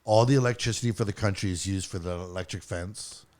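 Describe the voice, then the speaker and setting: Low-voiced man in casual conversation. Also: fast talker, a little mellow. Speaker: podcast co-host. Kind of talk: casual podcast discussion.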